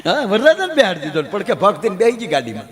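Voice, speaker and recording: A man telling folk comedy stories on stage, swinging from hushed asides to loud declaiming. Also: high-pitched, huge pitch swings, racing. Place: stage at a religious gathering.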